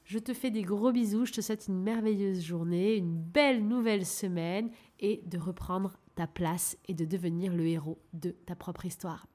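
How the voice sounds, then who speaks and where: A woman hosting her own channel, talking gently and encouragingly to her listeners as a life coach, in a casual coaching monologue. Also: on the low side, moderate pace.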